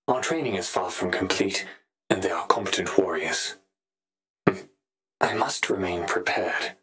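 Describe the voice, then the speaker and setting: A man voicing an ambitious, brooding Sith Inquisitor in a pompous, deliberate, theatrical monologue for a scripted audio log. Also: low-pitched, fairly bright tone, slightly rough, exaggerated voice, low-quality recording. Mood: brooding, wary. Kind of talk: scripted in-character log narration.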